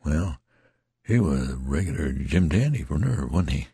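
A man's voice: rumbling low, very animated, moderate pace, mellow, breathy edge, dry recording, clean studio sound, heavily acted. A man voicing a wounded rustic soldier who muses and rambles in a homespun drawl. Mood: musing. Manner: homespun drawling dialect, musing.

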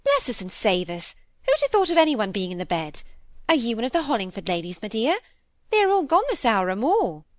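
A flustered servant woman bursts out in quick, hurried exclamations, as a woman narrator puts her on. The voice rises higher than the narration, and the recording is dry. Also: huge pitch swings, dry recording. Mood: startled. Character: flustered, startled housemaid.

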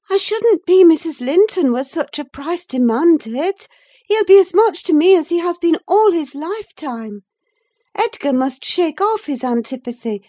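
Woman reader playing headstrong young heroine, passionate, impassioned delivery, high voice, warm dark tone. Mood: indignant. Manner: fervent, impassioned declaiming.

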